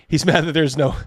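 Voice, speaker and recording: A man with a fairly high voice hosts a casual livestream reaction. He talks bluntly and mockingly, swears freely and breaks off to read viewer comments. The sound is close and dry, without room echo. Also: husky. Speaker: host of a livestream reacting to a video.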